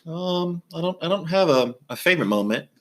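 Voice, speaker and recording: A man in his thirties co-hosting a casual podcast, telling stories in a playful, drawn-out way with frequent ums. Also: a little high, lively intonation, fairly bright tone. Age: 30s. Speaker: podcast co-host. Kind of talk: casual chat.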